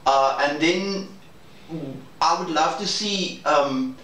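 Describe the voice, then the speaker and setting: A man's voice: fairly high pitch, a bit bright. A man discussing plans in a casual meeting, choosing his words carefully and hesitantly. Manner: deliberate, hesitant, careful phrasing. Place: indoor room, off camera. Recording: very echoey, distant mic, faint noise.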